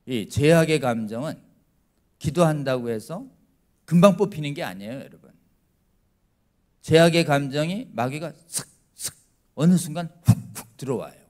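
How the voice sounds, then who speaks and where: Lively, animated Korean-speaking male lecturer. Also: fairly high pitch. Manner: asks the audience questions and acts out quoted voices, swinging between loud and quiet. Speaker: lawyer speaking at a church prayer meeting. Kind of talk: lively church lecture with questions to the congregation.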